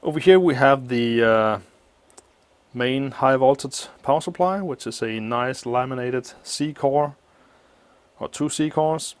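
A man explaining a teardown of an old appliance at a workshop bench, thinking aloud with many pauses, his voice slightly muffled by a mask. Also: medium pitch, clear, resonant tone. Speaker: electronics teardown host. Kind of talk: hands-on technical walkthrough.

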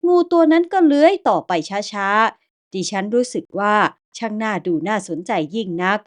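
A woman telling a first-person ghost story in scripted narration, slow and measured. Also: medium pitch.

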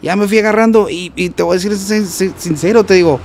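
A Mexican man with a voice pitched a little high tells a long story in a relaxed interview. He talks in an animated way, repeating words and sounding out notes with "ta ta". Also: fast talker, a little hiss or hum. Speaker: guest musician.

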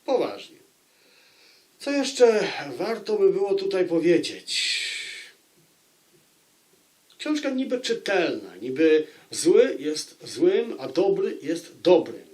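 A man giving an informal spoken book review to viewers, deliberate, with dramatic pauses and repeated phrases for emphasis. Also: fairly high pitch, darkish tone. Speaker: book review channel host.

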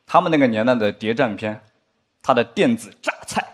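A young adult man performing a stand-up comedy set on a studio stage, animated, now and then acting out stiff drama lines in a lower voice. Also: a little fast, noisy background. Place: studio stage with live audience. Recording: studio stage with audience laughter. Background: audience laughter.

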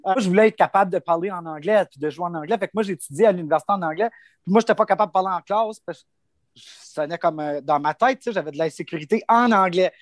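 A man's voice: sits high, fast talker, no echo. A man with a Franco-Ontarian French accent, talking casually as a panelist and leaning on lots of informal fillers. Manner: loose and informal, full of "tu sais" and "comme".

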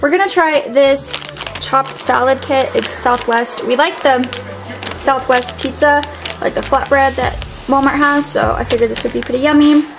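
A woman's voice: high voice, normal speed, low-quality recording. A young woman at home showing her grocery haul on a handheld camera, talking casually with lots of "like" and "um". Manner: relaxed and chatty, many fillers like "like" and "um". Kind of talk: casual chat. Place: home, indoors, at a table. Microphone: camera held overhead, point-of-view shot. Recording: home video with music underneath. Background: background music.

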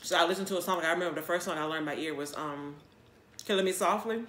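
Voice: medium pitch, steady tone, rapid-fire, bright, forceful tone. A mukbang vlogger chatting casually and off the cuff, chewing while talking with a mouth often full. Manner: talks with mouth full, chewing between phrases. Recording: roomy echo, faint background noise.

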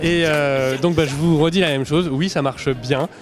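A man's voice: on the high side, fairly even intonation, moderate pace, music in the background. A man reporter roaming a busy exhibition hall, talking casually to camera with many fillers and restarts. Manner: chatty, hesitant with many fillers. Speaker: reporter roaming a trade show. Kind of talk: casual walking commentary and vox-pop.

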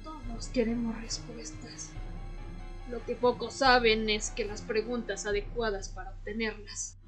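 A woman playing a patient, enigmatic vampire scholar in a radio drama, speaking in a measured, solemn way. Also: a little high, flat delivery, fairly bright tone, faint music behind. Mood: enigmatic, calm. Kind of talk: Spanish-language amateur radio drama acting.

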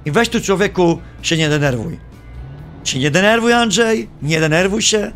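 A man streaming live, giving gameplay commentary in an animated, joking and playfully exasperated way. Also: sits high, normal speed, faint music behind.

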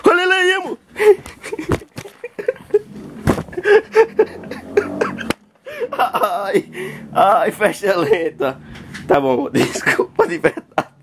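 A young man hosts a prank vlog at home, teasing and chuckling. His pitch leaps wildly between low and high. Noticeable background noise covers the handheld recording. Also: huge pitch swings, drawn-out words, creaky, pauses often. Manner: teasing, laughs often, dramatic exclamations. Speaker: vlogger pranking his partner. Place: inside a house at night.

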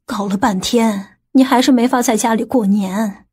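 A woman's voice: fairly high pitch, fairly even intonation, moderate pace, warm tone, breathy edge. A woman playing an older, fretful mother in an audiobook drama, nagging and questioning. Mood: displeased.

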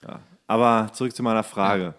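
A man's voice: fairly low pitch, fairly even intonation, moderate pace, fairly bright tone. A man co-hosting a podcast, telling comic anecdotes in a rambling, jokey, casual way. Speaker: podcast co-host.

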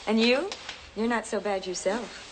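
A woman's voice: mid-range voice, normal speed, a little hiss or hum, natural voice, low-quality recording. An actress playing a flirtatious adult woman, coy and playful, in a screen drama. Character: flirtatious giggly nightclub date, adult woman.

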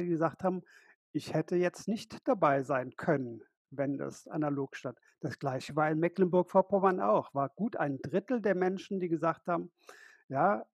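Older man with a gravelly husky voice. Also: on the high side, no room sound, studio quality. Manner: earnest, explains with examples and quotes. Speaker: podcast co-host. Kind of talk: casual live podcast conversation. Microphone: headset on a video call.

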